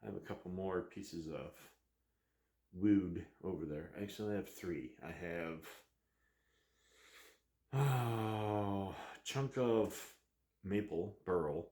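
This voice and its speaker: Low-voiced man chatting in an echoey workshop. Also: takes it slowly, long pauses. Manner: relaxed, rambling, chuckles often. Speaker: woodturning channel host. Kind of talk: casual workshop vlog. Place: barn workshop.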